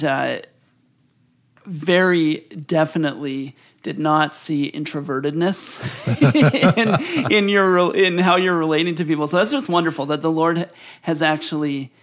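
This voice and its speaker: A host asking interview questions in a friendly, halting way with small restarts. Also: mid-range voice.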